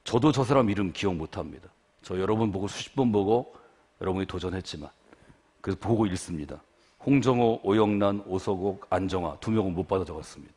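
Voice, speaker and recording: A middle-aged Korean male pastor preaching a revival sermon, dropping to hushed asides and then rising into loud, fervent calls to the congregation. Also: sits low, slightly rough. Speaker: guest pastor.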